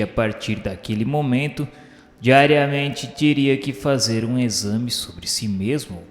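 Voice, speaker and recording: Echoing, solemn male narrator. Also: medium pitch. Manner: solemn, formal, literary. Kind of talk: scripted radio drama narration. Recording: echoing, reverberant hall sound with music. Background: background music.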